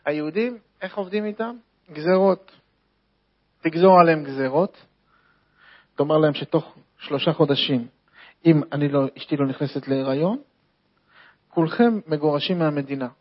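A man's voice: on the high side, long pauses, natural voice. A man voicing a shrewd male royal advisor who lectures the king emphatically. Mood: insistent. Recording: dull lo-fi recording.

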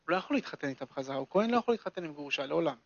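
Guy giving a torah class, pretty high voice, repeats himself for emphasis, dull dry recording. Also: lively intonation, gravelly, no room sound. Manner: emphatic storytelling with repetition. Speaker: religious teacher. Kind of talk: Torah lesson to a small group.

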